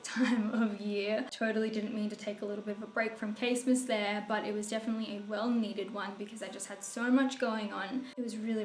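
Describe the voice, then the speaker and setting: A woman in her twenties with a husky voice, chatting casually and rambling cheerfully as a beauty vlogger in a small white room at home. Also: mid-range voice, roomy sound. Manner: bubbly, rambling, self-mocking with laughs. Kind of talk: casual chatty makeup tutorial.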